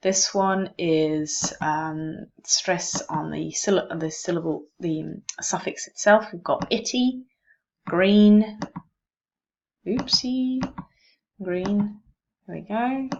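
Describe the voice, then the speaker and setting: Slow, low-voiced woman teaching word stress. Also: vocal fry. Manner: slow, thinking aloud, self-correcting. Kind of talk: explaining word stress over a screen recording. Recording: dull lo-fi mic with faint keyboard clicks.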